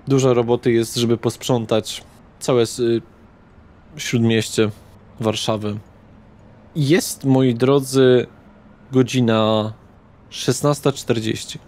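A man narrating a tabletop horror roleplaying game as game master, in a deliberate manner with dramatic pauses. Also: mid-range voice, fairly even intonation, darkish tone. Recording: background guitar music.

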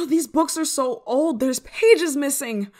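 A woman's voice: medium pitch, animated, unhurried. A woman playing a flustered, affectionate novice witch in an ASMR roleplay, speaking in a hesitant, fretful way. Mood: exasperated. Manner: hesitant, stammering, fretful, sighing. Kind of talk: ASMR roleplay monologue to the listener.

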